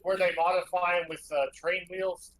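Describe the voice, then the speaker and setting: A man's voice: sits high, little pitch movement, normal speed, fairly bright tone, poor audio. A man talking casually in a conversation. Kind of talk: casual chat.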